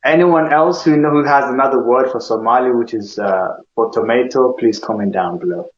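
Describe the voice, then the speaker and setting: A man's voice: mid-range voice, moderate pace. A man from Kenya with an East African accent hosting a casual word-by-word language chat, asking questions and repeating words back. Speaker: host comparing vocabulary with a guest. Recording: echoey room, slightly dull lo-fi sound.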